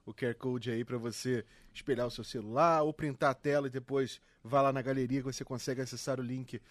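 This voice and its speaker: Quick upbeat man co-hosting radio. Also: medium pitch, fairly even intonation, no room sound. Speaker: radio show co-host. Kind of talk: casual radio chat. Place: radio studio.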